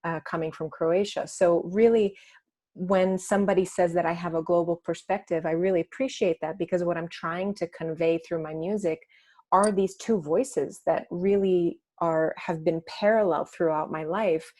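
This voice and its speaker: A woman's voice: on the low side, steady tone, moderate pace, a little mellow, no echo. An American woman in her thirties, a jazz singer speaking thoughtfully as an interview guest, with many fillers and restarts. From United States. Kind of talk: casual interview chat.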